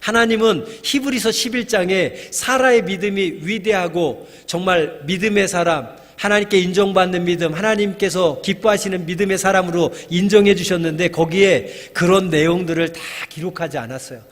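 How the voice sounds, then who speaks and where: Middle-aged pastor preaching in a reverberant hall. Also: male voice, sits high, moderate pace, hardly any pauses, a bit bright. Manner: asks the congregation questions and acts out quoted lines. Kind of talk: sermon. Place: church sanctuary. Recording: long church hall reverb.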